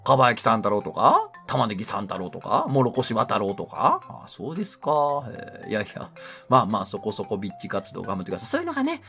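A man's voice: fairly low pitch, quick pace, vocal fry, soft background music. A middle-aged man with a Kansai accent, hosting a casual talk show, reading listener mail and joking to himself. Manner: joking, animated, talks to himself. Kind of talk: casual radio chat.

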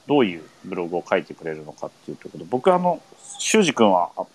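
A man hosting a casual radio chat, easygoing and filling pauses with many hesitation sounds. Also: sits low, very animated. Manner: easygoing, leads with many fillers. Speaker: radio show host.

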